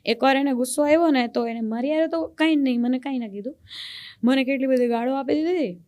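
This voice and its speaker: A young Gujarati woman speaks as a podcast guest, her voice sitting a little high. She tells a hard personal story earnestly and gets animated when she recalls the anger. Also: fast.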